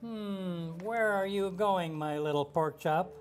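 A woman's voice: lowish voice, slow, darkish tone, slight background noise. A woman voicing a sly, hungry dragon villain in a puppet show, with a scheming, sneering manner.

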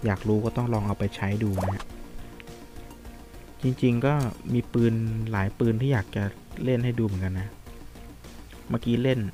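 A man giving casual, chatty commentary while playing a mobile shooter game, reacting loudly to the action. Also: mid-range voice, steady tone, moderate pace, long pauses. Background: game music.

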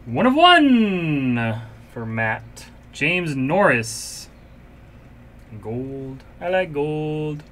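A man's voice: fairly high pitch, very animated, very slow, fairly bright tone, a little hiss or hum. A man hosting a card break, casually calling out cards and numbers as he opens packs in a shop room.

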